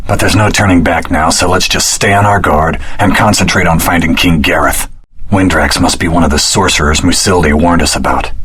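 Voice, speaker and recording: A man playing an earnest, determined swordsman hero in a video game, speaking in a measured, serious way with a husky voice. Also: deep voice, fairly bright tone. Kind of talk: video game voice acting, cutscene dialogue.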